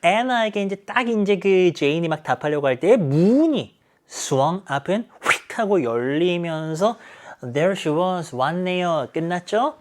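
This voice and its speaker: A man's voice: high-pitched, slow pace. A man teaching an English exam lecture, explaining answers and acting out characters' lines. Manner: lively, acts out characters' lines while explaining.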